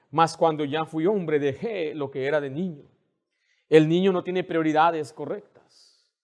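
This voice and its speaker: A male pastor preaching a sermon in a church, animated and questioning his listeners, who often mimics children's voices. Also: high-pitched. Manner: animated, asks the congregation questions.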